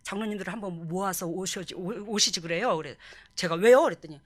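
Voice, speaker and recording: A middle-aged woman pastor, preaching a lively sermon and acting out quoted voices. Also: fairly low pitch, fairly quick.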